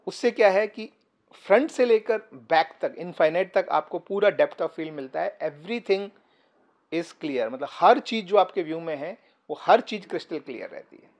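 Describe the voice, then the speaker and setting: A man teaching photography to the camera from a sofa indoors. He explains step by step, pauses often and uses fillers, and is recorded by a camera about three feet away. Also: a little high. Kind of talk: casual explainer tutorial to camera. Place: indoor room, seated on a sofa.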